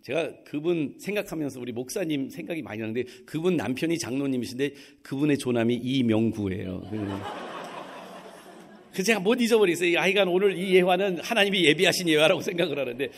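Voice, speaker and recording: A middle-aged male pastor with a high voice gives a sermon in a church. He tells a personal story in a lively way and acts out the voices of the people in it. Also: brisk, slight background noise. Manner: storytelling, acting out quoted voices. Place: church sanctuary.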